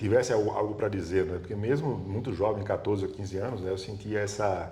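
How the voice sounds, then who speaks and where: A man speaks with a northeastern Brazilian accent at a fairly low pitch. The room echo is audible. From Brazil, Natal, Rio Grande do Norte. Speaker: chemistry professor. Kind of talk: interview. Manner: hesitant, many repetitions.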